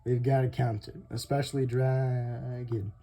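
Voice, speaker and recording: A man's voice: medium pitch, flat delivery, unhurried, warm tone. A young man giving casual, chatty commentary over his own gameplay, often laughing and talking to viewers as "guys". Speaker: gaming YouTuber. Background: faint game music.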